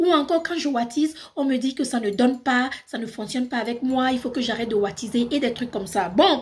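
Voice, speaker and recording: A woman with a strong Cameroonian accent, high pitch, ordinary pitch variation and a fairly quick pace. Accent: heavy Cameroonian French. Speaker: YouTuber. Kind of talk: vlog monologue. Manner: animated.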